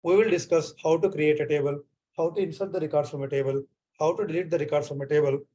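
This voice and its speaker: Indian male trainer, fairly high voice, repetitive online-class delivery over a laptop mic. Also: steady tone, quick pace, mellow, lo-fi sound, slight background noise. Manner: repeats phrases often, checks on students.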